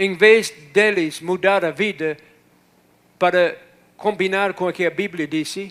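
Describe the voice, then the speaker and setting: This man's voice sits at a high pitch with fairly even intonation. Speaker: pastor. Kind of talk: sermon.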